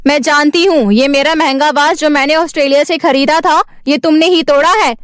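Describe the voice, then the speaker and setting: A woman's voice: high-pitched, steady tone, a little fast, no room sound, clean studio sound, lightly acted. A woman voicing a cold, spiteful, wealthy aunt in a children's cartoon story, scornful and bossy. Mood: accusing.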